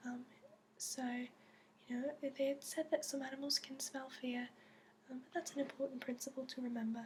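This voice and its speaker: Woman as fantasy dragonology instructor, very high soft voice, put-on accent, halting, gentle ASMR delivery, audible background noise. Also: little pitch movement, natural voice. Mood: patient, earnest. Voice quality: soft, often slipping into whisper. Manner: hesitant, explanatory, frequent ums. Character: gentle female instructor briefing new dragon companion recruit. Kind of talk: soft-spoken ASMR roleplay.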